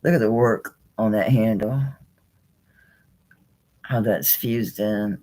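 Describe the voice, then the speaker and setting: A woman's voice: very deep voice, fairly even intonation, slow pace, dark tone, low-quality recording. A woman hosting a live jewelry auction in a chatty, casual way, laughing often and talking to herself as she handles items. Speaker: online jewelry seller.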